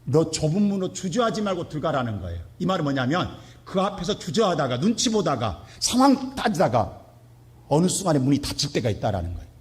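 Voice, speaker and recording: A male pastor preaching a Sunday sermon emphatically, swinging between loud outbursts and hushed asides. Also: a little high. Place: church sanctuary.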